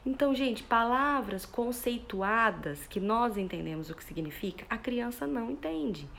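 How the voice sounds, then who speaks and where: A woman's voice: fairly high pitch, expressive, moderate pace, creaky, fairly bright tone, slight background noise. Woman explaining with everyday examples. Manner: explains with everyday examples, checks in with listeners often. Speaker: parenting educator. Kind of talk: live social media talk to parents. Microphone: phone.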